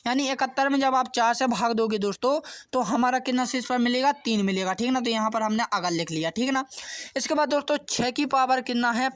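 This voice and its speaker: A man's voice: very high-pitched, brisk, clean tone, no room sound. A man teaching an exam-prep math lesson, patiently walking through each step and constantly checking in with his viewers by asking questions and answering them himself. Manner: steady, patient explaining. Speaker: math tutor.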